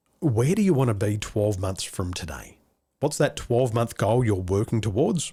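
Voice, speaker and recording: A man with an Australian accent talks at a moderate pace and medium pitch, with lively intonation. His tone is dark and mellow, and somewhat breathy. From Australia, northwest Sydney. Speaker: business coach. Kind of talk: online masterclass hot seat coaching. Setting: video call webinar. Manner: upbeat.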